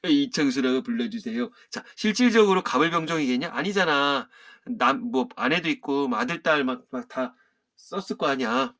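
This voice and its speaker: A man's voice: fairly high pitch, normal speed, a bit bright. A male literature teacher explaining a play to students in a casual way, often asking them rhetorical questions. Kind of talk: lesson reading and explaining a play.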